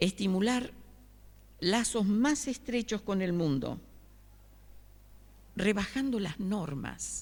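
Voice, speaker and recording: A woman with a medium pitch and vocal fry speaks at a very slow pace with lively intonation and long, frequent pauses. The recording is very clean, with a silent background. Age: 70s. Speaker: preacher. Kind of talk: sermon.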